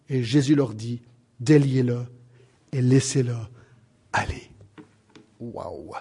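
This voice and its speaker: A man with a high voice gives a sermon, reading scripture aloud. He acts out the lines with vivid, shifting expression and talks straight to his listeners. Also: warm tone, slightly rough. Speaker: preacher.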